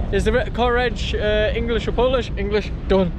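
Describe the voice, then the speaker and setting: A man talks at a moderate pace. The sound is dry with no echo, with noticeable background noise. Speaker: travel vlogger. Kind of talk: casual vlog chat. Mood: cheerful, joking. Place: street. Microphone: phone near.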